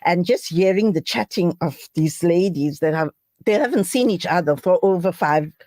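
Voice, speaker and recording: An older South African woman with a Durban Indian accent, explaining things haltingly as an interview guest. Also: on the low side, mellow, no room sound, clean studio sound. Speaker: guest, chairperson of school reunion committee. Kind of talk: conversational interview answers.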